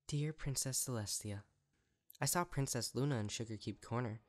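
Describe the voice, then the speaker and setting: A man's voice: medium pitch, moderate pace, lightly acted. A man voicing a deranged, eager, power-hungry female unicorn pony writing letters, in a chirpy, unhinged manner for a horror story. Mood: cheerfully unhinged.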